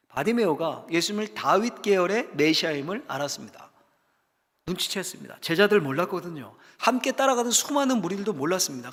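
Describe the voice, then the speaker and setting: High, lively pastor preaching a sermon. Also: male voice. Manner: dramatic storytelling with rhetorical questions; swings from loud cries to hushed emphasis. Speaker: senior pastor. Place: church sanctuary. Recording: long church-hall reverb.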